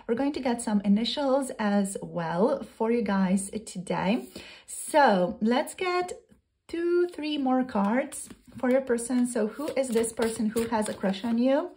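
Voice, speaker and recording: A woman's voice: fairly high pitch, a little mellow. A young adult woman, a tarot reader who chats her way through a pick-a-card reading and thinks aloud as she searches for words. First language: Slovenian.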